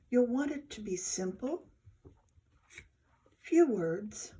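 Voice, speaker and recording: Slow, mellow woman guiding meditation. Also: medium pitch. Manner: soft, soothing, unhurried with pauses between short phrases. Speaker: yoga nidra teacher. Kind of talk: guided meditation instruction.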